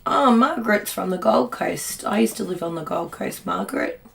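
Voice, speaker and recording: A woman co-hosting a casual craft livestream, hoarse and raspy as she recovers from losing her voice, chatting and reading viewer comments aloud. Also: mid-range voice, animated, moderate pace, recorded from a distance. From Australia.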